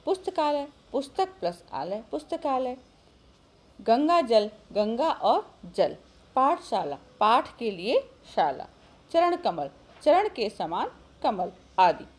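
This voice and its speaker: Lively woman teacher quizzing children. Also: fairly high pitch, unhurried, breathy edge. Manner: addresses children often, asks and answers her own questions. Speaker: school Hindi teacher. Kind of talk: recorded online grammar lesson.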